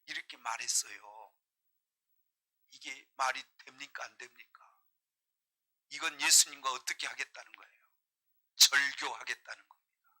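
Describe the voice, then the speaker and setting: A man's voice: medium pitch, normal speed, long pauses, bright, forceful tone, poor audio. A middle-aged man from Jeolla, a pastor preaching a sermon, reading scripture and putting emphatic rhetorical questions to his congregation. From Jeolla, South Korea.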